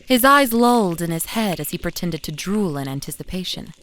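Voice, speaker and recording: An actress playing a loving, anxious young mother, narrating her memories in an expressive, conversational way for a scripted audio drama. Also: fairly low pitch, brisk, a little hiss or hum. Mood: fond, patient. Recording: faint music behind narration.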